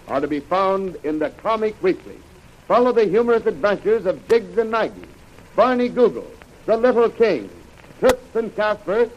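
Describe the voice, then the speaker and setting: An American man reading a script as an old-time radio announcer, dramatic and declamatory. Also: high-pitched. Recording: muffled, noisy old radio recording.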